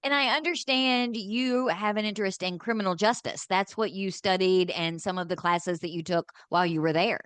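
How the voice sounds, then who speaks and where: A woman's voice: mid-range voice, normal speed, few pauses, a bit bright, smooth, no echo. Woman hosting a radio interview. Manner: friendly, conversational questions. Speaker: radio show host. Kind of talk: casual interview over video call.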